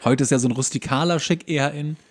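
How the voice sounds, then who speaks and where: A man's voice: a little high, fast. A man with a German accent co-hosting a podcast in casual comedic chat, with a dry, ironic way of talking. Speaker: podcast co-host.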